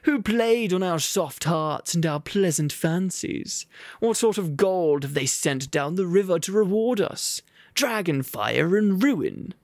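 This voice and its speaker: A man voicing a posh, obnoxious male town master who speechifies loudly and haughtily. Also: sits high, lively intonation, no echo, studio quality, voice pushed up, exaggerated voice. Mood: indignant. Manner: loud, haughty, drawn-out speechifying.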